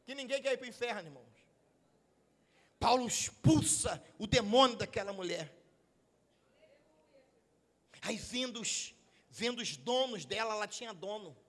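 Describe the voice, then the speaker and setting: A male pastor with a Brazilian Portuguese accent preaching a sermon in church, moving between quiet asides and shouted emphasis. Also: high voice, unhurried, long pauses, big-room sound.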